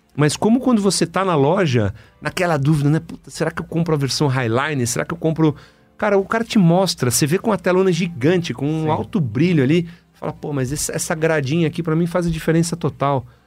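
This man talks at a very fast pace with lively intonation. His pitch is fairly high. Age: 40s. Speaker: automotive executive. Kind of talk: casual interview.

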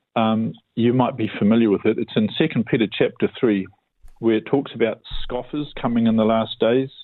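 A man with a New Zealand accent, medium pitch, fairly even intonation and a fairly quick pace. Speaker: co-host. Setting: phone call.

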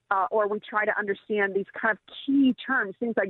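A woman's ordinary speaking voice at a medium pitch, with fairly even intonation. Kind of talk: radio interview.

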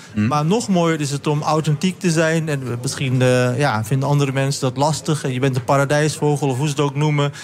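Over noticeable background noise, a man speaks at a fairly high pitch. He leaves hardly any pauses. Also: fairly even intonation, fairly quick pace. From Netherlands. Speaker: writer. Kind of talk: radio talk show chat.

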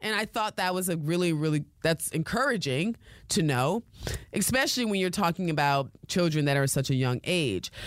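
A woman with a plain, everyday voice and an American accent speaks at a fairly low pitch and moderate pace, her intonation lively and her loudness very even, on a very clean recording with a silent background. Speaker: podcast host. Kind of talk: solo commentary podcast. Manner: conversational with frequent fillers.

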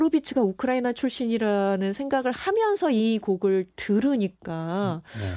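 Speaking at a moderate pace with hardly any pauses, a woman uses lively intonation in a fairly high-pitched voice with a dark, mellow tone. The recording is very clean, with a silent background. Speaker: morning radio news host. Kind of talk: radio interview. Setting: studio. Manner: formal.

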